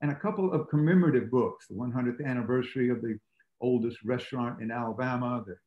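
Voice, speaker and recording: An older man whose first language is Greek, giving a steady, measured talk as a tour guide and lecturer over a video call. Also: medium pitch, reverberant, narrow, tinny audio. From United States.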